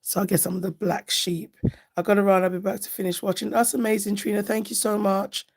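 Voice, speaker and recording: A slightly hoarse woman chatting casually and affectionately on a live nail art stream, often thinking aloud as she works. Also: mid-range voice, level tone, fairly quick. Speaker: nail art livestream host. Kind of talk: casual live chat while doing nails.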